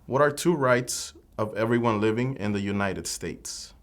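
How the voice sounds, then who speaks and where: A man playing an immigration officer in a scripted mock interview, asking formal, measured questions. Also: lowish voice.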